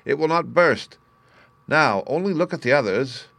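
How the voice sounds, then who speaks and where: A man's voice: medium pitch, expressive, normal speed, creaky, a bit bright, no room sound, voice pushed up. A man voicing a tired, fretful mother duck in a storybook reading, complaining as she waits on her last egg. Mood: weary. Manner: weary, complaining.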